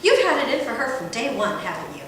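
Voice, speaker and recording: Brash female talent agent played by an actress, wry and theatrical, highish lively voice, for a radio-play style table read. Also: quick pace. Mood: brisk, exasperated. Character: brash, sardonic female adult-film producer and agent. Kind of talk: acted script read aloud. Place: echoey room at a table read. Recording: distant mic in echoey, noisy room.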